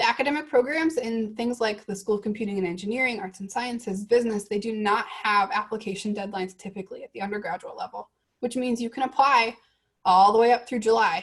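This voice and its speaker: A woman with a US Midwestern accent talks at a very fast pace, her voice somewhat breathy and fairly high. Her loudness swings widely while her pitch varies in an ordinary way. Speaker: university admissions officer. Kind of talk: presentation with Q&A.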